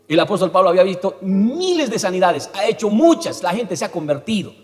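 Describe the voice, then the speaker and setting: A pastor preaches a sermon in a high-pitched, very animated voice with a darkish tone, speaking a bit fast. He tells stories emphatically and often uses tag questions to check in with listeners, recorded in an echoey hall with faint music.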